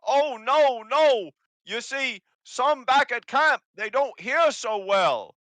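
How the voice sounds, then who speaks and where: A man voicing a sly, dim, blustering hobgoblin guard in a high, strained, shouting voice for a tabletop game. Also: unhurried, dry recording, exaggerated voice. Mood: loud, explaining. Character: loud, sly, dim hobgoblin toll-extorting guard, male.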